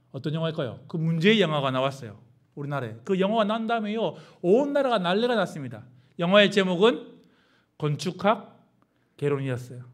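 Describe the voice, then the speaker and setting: Animated, high-pitched male preacher. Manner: call-and-response preaching with many questions to the congregation; swings from hushed to loud, exclaiming passages. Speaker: pastor. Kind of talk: sermon.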